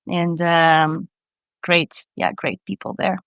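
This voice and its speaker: A woman's voice: on the low side, flat delivery, takes it slowly, vocal fry, fairly bright tone, clear, resonant tone, dry recording, muffled recording. A Ukrainian woman with a Ukrainian accent, a startup CEO being interviewed on a podcast, talking earnestly and dreamily with frequent restarts. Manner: earnest, dreamy, many restarts, light non-native grammar.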